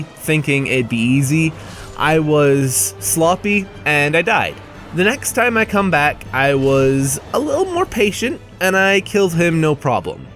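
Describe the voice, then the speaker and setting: Male game reviewer. Higher-set, very animated voice, blunt casual delivery. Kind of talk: casual scripted review narration.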